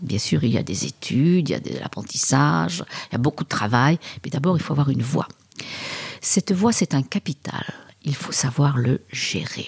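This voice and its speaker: A woman with a very deep, low pitch and vocal fry swings very widely in pitch, leaving long, frequent pauses, in a dry, close recording with no echo. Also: moderate pace. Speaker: concert organizer. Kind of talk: testimony.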